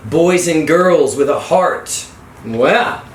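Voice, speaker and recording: A man's voice: a little high, lively intonation, extremely slow. A middle-aged man reading a self-help book aloud as a father to his son, with encouraging asides and some stumbled, repeated lines. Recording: echoey room with background noise.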